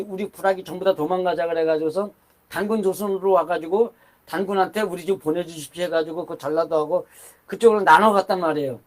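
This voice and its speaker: An older man delivering a sermon with a rather high-pitched voice. He talks in a loose, conversational way, wandering into asides and starting his sentences over. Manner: conversational, rambling with asides and restarts. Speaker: pastor.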